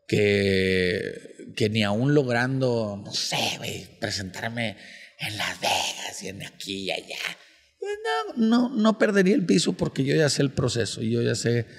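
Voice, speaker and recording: A comedian with a Mexican Spanish accent trades casual podcast chat and long, slangy joke stories, raising his voice to play the characters. His voice sits on the low side, with a long reverb tail.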